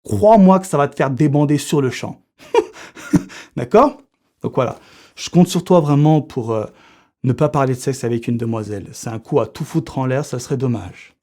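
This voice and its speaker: A man's voice: medium pitch, moderate pace, a little mellow. A man giving comic seduction advice straight to the viewer, slangy and mock-serious, talking in one unbroken take. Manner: slangy, addresses viewer as buddy; unscripted one-take delivery, checks notes live. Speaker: comedic seduction-advice youtuber. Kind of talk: mock-serious coaching monologue.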